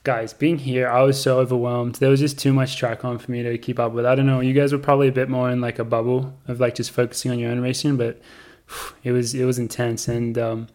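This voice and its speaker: Young NZ male co-host, laid-back rambling chat, flat intonation. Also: medium pitch, a little fast. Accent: New Zealand. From New Zealand. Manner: relaxed, rambling, laughs often. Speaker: podcast co-host. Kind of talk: casual chat.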